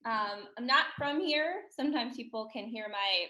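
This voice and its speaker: A woman in her thirties from Missouri with a Midwestern accent, chatting as a podcast guest, laughing often and filling pauses with ums. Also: on the high side, expressive, pushed and bright, echoey room. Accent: Midwestern American. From Missouri, USA. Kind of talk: casual interview chat.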